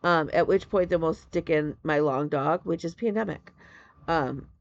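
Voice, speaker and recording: A woman's voice: low-pitched, a little slow, no echo, highs cut off. A middle-aged woman hosting a cross-stitch vlog, chatting casually and rambling from one story to the next. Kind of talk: casual chat.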